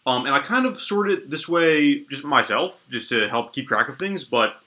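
Sitting at a desk in a small indoor room, a young man works through a casual coding tutorial in a mid-range voice at a moderate pace. He's congested and sniffling from allergies yet bright and forward in tone, thinking aloud as he types in a relaxed way, full of ums and restarts.

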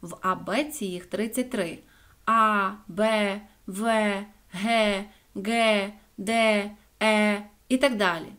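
Woman doing a strict grown man teaching letters, firm and clear, storybook reading. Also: medium pitch, fairly even intonation, slow, a bit bright. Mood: instructive. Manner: firm, instructive, spelling out letters. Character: strict middle-aged man, the dog's patient owner.

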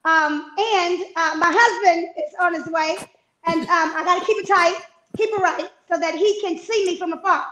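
A woman in her fifties on a video call from her home kitchen, giving healthy eating tips in an energetic, coaching way. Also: very high-pitched, normal speed, echoey room, rough recording. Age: 50s. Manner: energetic, coaching, emphatic repetitions. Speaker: fitness and nutrition guest. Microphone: wireless earbuds on a video call.

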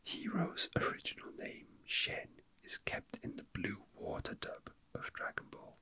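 Indoors over a tabletop, a young man whispers gently and breathily as an ASMR video host. His leisurely, broken-up murmur sounds like casual asides made while his hands are busy.

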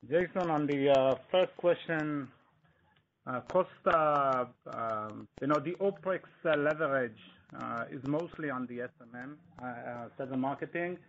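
A male company executive answering analysts on an earnings call, halting, with non-native phrasing. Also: mid-range voice. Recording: muffled, noisy conference call line with clicks.

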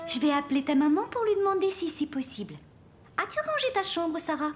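A woman playing a kindly, playful mother in a children's cartoon, speaking gently and attentively. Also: very high voice, big pitch swings, brisk. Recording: music behind the voice.

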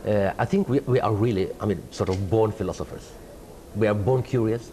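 Brisk and fairly low in pitch, a middle-aged Norwegian man with a Norwegian accent answers an interviewer as a writer, thoughtfully but with many hesitations, fillers and restarts. He gestures animatedly with his hands in an indoor room with a tapestry wall, with slight background noise present.

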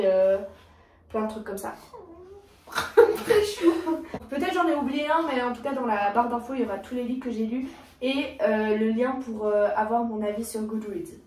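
A woman's voice: on the high side, normal speed, darkish tone. A young woman chatting casually as a vlogger, talking with many fillers and restarts. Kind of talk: casual chat. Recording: echoey room, voice from far off.

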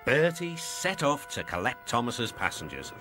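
A man with a British accent narrating a children's storybook in a gentle, measured way. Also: mid-range voice, very animated. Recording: music playing behind.

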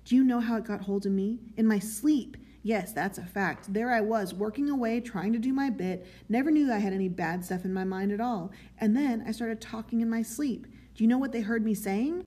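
A woman's voice: on the high side, fairly quick, few pauses, mellow, voice pushed up, lightly acted. A woman voicing an eager, servile man in a novel, miserable yet proud, with a pleading, chummy, self-justifying manner. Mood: sanctimonious.

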